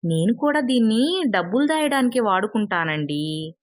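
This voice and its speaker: A woman voicing a hardworking, gentle young farm wife in a told folk tale, polite and eager. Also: on the high side, sing-song, moderate pace.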